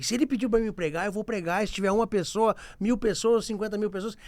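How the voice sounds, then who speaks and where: High male voice on a very clean recording against a silent background. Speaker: pastor, podcast guest. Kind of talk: podcast interview. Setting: studio. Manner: animated, preaching style.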